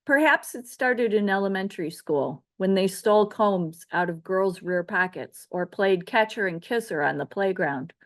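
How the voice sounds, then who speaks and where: A middle-aged woman from the Chicago area, reading her own memoir essay aloud in a measured, reflective way. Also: medium pitch, animated. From Chicago area, United States. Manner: measured, reflective delivery of a prepared text. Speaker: author.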